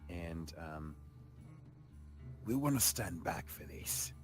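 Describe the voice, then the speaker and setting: Male roleplay gamer, very deep, measured and thoughtful, narrating and acting his character over music. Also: big pitch swings. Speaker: tabletop roleplay player. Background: background music.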